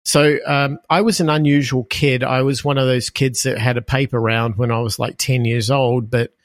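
A man in his fifties with an Australian accent, a podcast guest telling his story in a relaxed, rambling way with many fillers. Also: medium pitch, moderate pace, dry recording, clean studio sound. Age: 50s. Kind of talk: casual interview storytelling.

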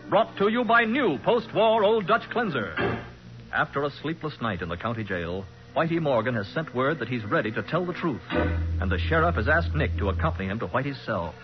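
A male radio announcer reads scripted narration in 1940s style. His voice is a bit high, over clear music on a dull vintage recording.

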